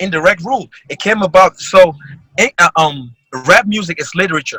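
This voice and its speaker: Raised and projected, a man's high-pitched voice carries a bright, sharp tone at a fairly quick pace, recorded dry and close with no echo. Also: ordinary pitch variation. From Cameroon, anglophone Northwest/Southwest. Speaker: rapper. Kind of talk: interview. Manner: animated.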